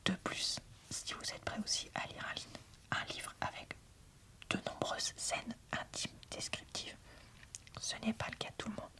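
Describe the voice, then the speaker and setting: A woman whispering an ASMR book review in a soft, breathy, informal and slightly hesitant way. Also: normal speed.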